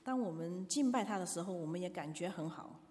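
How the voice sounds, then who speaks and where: A woman interprets a sermon phrase by phrase for a congregation. She hesitates often, filling pauses and correcting herself. Her voice sits low and mellow, and a large hall's long reverb trails each phrase. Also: expressive. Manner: hesitant, with fillers and self-corrections. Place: church hall.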